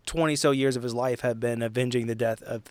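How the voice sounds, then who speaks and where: A man's voice: mid-range voice, steady tone, fast talker, smooth. A man on a tabletop role-play podcast, narrating casually and rephrasing as he thinks.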